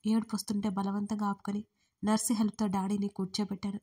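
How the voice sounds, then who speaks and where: A woman's voice: mid-range voice, little pitch movement, fast talker, mellow, slightly rough. A woman narrating a first-person audio story in an intimate, emotional way.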